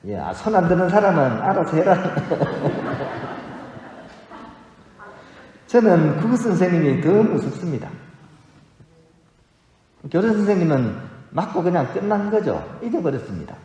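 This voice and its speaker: A man's voice: high voice, very animated, unhurried, pauses often, mellow, muffled recording. A man, a Catholic priest, giving a homily to his congregation, telling stories and often asking the listeners questions. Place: large church. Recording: echoey church hall with long reverb.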